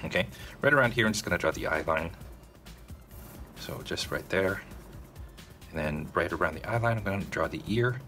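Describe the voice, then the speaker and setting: Low-voiced man talking through a drawing. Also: animated, normal speed, pushed and bright, faint music behind. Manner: casual, addresses viewers directly, frequent "okay?" check-ins. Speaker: drawing tutorial host. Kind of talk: narrated step-by-step drawing tutorial.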